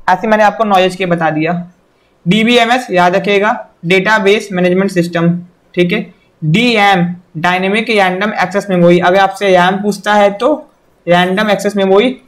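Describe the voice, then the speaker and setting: Young guy tutor, kinda high voice, keeps saying "theek hai", drilling exam stuff. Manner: repeats "theek hai" and "yaad rakhiyega" often, direct instructional. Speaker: teacher. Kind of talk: exam-prep lesson in Hindi.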